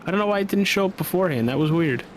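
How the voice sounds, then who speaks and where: A man's voice: high voice, expressive, very fast, a little hiss or hum, rough recording. A man co-commentating an esports race, chatty analysis mixed with wisecracks.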